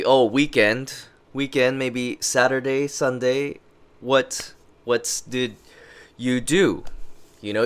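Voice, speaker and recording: A man vlogging casual advice in a slow, halting way, with many fillers and restarts. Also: lowish voice, fairly bright tone, smooth. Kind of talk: casual talking-head advice. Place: lives in Japan. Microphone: interview microphone.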